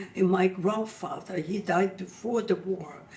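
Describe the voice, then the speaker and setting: Very slowly and with fairly even intonation, a woman talks over noticeable background noise. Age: 80s+. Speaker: Holocaust survivor. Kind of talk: interview answer.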